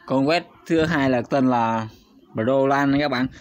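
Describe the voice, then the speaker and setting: This YouTube host narrates a casual screen-recorded walkthrough at a measured pace in a mid-range voice. Chatty and hesitant, he fills gaps with fillers and constantly speaks to viewers. The audio is somewhat dull and lo-fi, with no echo.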